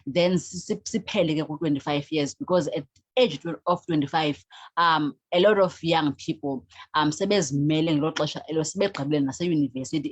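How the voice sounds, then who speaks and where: This interview guest, the founder of a youth organization from South Africa's Eastern Cape, talks with a Xhosa accent and mixes languages as she speaks. She has a low, slightly rough voice, recorded with no room sound.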